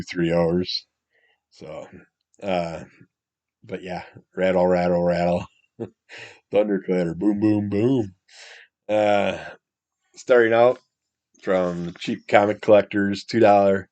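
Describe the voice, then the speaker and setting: A middle-aged man from Wisconsin, hoarse and stuffed up with a cold, rambles casually as he opens a solo comic book review. His voice is low and darkish, and he often trails off into mumbles.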